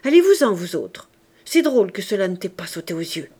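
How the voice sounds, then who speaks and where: A woman's voice: lowish voice, expressive, fast, darkish tone, slightly rough. A woman reading aloud, voicing a domineering poor older man who speaks in a raised, agitated, commanding voice.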